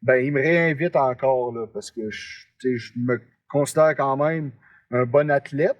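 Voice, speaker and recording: A man's voice: mid-range voice, moderate pace, highs cut off. A man in his twenties with a Québécois accent, an amateur strongman answering interview questions in a chatty, rambling way. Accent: Québécois French. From Quebec, Canada. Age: 20s. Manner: chatty, rambling, many "là" tags.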